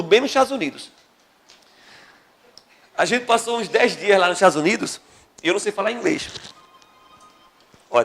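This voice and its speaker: A high-pitched man teaches a class, turning it into a lively, animated story. He acts out every voice in it, and there is a faint noise behind him. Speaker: history teacher. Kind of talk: classroom lecture with comic anecdote.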